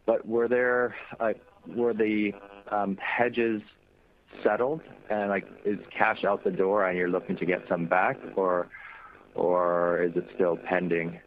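A man's voice: sits low, flat delivery, slow. A man calling in over a crackly, static-filled phone line, asking hesitant analyst questions on an earnings call. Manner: hesitant, restarts often. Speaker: analyst caller.

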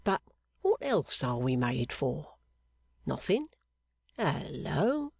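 A narrator voicing an odd, sharp-eyed male clerk who speaks low and confidingly, teasing with questions. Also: very animated, slow pace, gravelly, husky, no echo, studio quality, exaggerated voice. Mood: playful fortune-telling. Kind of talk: audiobook character voice.

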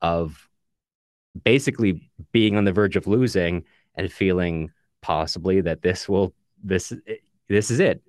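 Male podcast co-host, low register, conversational and chatty, recorded dry. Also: measured pace, a little mellow, no echo. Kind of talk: casual book discussion podcast, reading listener comments.

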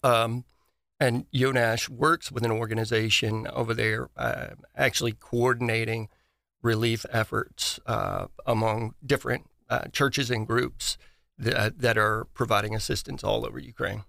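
A man talking conversationally as an interview guest, halting and hesitant as he explains things. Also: mid-range voice, little pitch movement, creaky, sharp tone, no room sound, clean studio sound.

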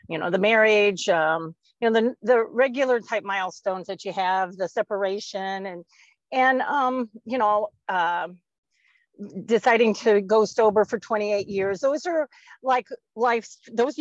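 A woman's voice: mid-range voice, no room sound. Woman in her 50s rambling on a podcast, lots of ums and laughs, muffled dry sound. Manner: rambling, laughs often, many fillers. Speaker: guest. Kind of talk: casual podcast chat.

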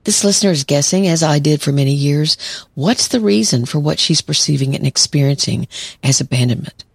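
A woman's voice: sits low, fairly quick, creaky, breathy edge, no echo, studio quality. A middle-aged woman hosting an advice podcast, talking things through reflectively and telling stories. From southern United States. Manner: reflective, storytelling. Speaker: podcast host, therapist.

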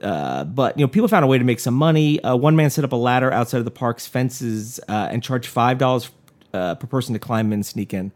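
A man who has lost his voice, gravelly and hoarse, co-hosting a casual comedy podcast and telling a story with jokes along the way. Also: mid-range voice, expressive, brisk, darkish tone. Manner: joking, storytelling with asides. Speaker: podcast co-host.

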